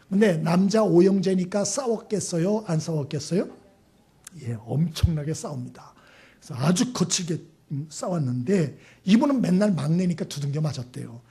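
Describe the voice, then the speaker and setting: A man's voice: sits high, mellow, husky. A male pastor preaching a sermon, asking his congregation questions and acting out the voices in his stories. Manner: asks the congregation questions, acts out quoted voices.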